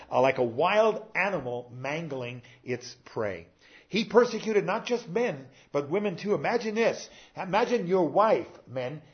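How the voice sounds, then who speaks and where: An older man, a pastor, preaching a sermon in a conversational way, pausing with "uh" and talking straight to his congregation. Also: a little high, lo-fi sound.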